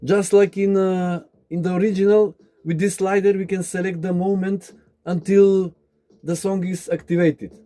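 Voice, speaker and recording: A man narrating a scripted tech tutorial as its presenter, with deliberate, halting phrasing. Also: sits high, level tone, warm tone, soft background music. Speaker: presenter demonstrating a DIY electronics project.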